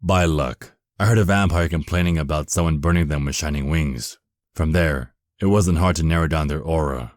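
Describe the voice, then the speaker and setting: Man playing a very deep, haughty archangel. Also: normal speed, dry recording, clean studio sound. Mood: defensive. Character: proud, defensive male archangel who despises vampires. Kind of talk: fantasy audio drama acting.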